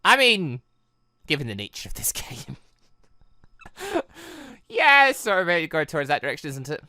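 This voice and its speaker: A man hosts a gaming let's-play in a bright, fairly high voice. His pitch moves around a lot as he rambles casually between reading game dialogue and commenting on it. The sound is close and dry. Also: huge pitch swings, moderate pace, no room sound. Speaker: gaming channel host.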